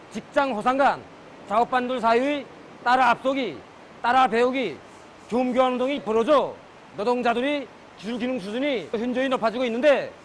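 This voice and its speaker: A speaker with a North Korean accent giving a formal, prepared report as a factory official in a news interview. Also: medium pitch. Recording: noisy on-site news interview.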